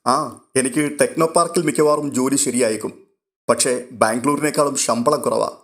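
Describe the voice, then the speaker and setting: A man voicing a steady, reassuring young man in an audio story, calm and matter-of-fact. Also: mid-range voice, fairly quick, natural voice.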